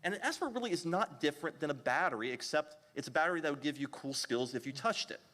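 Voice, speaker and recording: Lively man lecturing in a reverberant hall. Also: a little high, fast. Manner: lively lecturing, with frequent fillers and restarts. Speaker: panelist. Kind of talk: academic panel presentation. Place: convention panel room.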